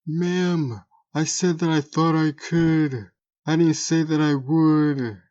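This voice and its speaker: Sly, high-voiced little bridge creature, acted by a man. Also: fairly even intonation, slow pace, a little mellow, muffled recording. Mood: sly, smug. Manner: folksy, mock-polite, drawling. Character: small ugly bridge creature, sly, smug, polite haggler.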